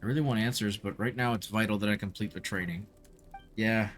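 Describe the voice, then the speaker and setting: A streamer giving casual live gameplay commentary in an informal, expressive way, with plenty of swearing. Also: medium pitch, fairly quick. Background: game music.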